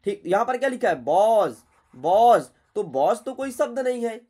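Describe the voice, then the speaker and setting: A man's voice: very high-pitched, animated, fast, a little mellow. A man teaching through an exam paper, blunt and chatty, scolding students as he goes. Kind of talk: exam paper walkthrough lesson.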